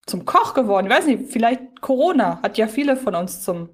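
A woman's voice: on the high side, sing-song, brisk, slightly rough. A woman co-hosting a podcast, chatting casually in a reflective, digressive, wordy way. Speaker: podcast co-host. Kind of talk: casual review chat.

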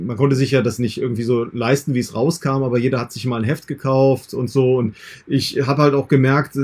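Podcast interviewer: middle-aged man, husky voice, casual delivery, feels his way through questions. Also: mid-range voice, darkish tone.

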